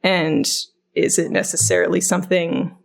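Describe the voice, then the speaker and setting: Female podcast host, lower-than-average pitch, casual and inquisitive, chatty phrasing. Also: animated, moderate pace, vocal fry.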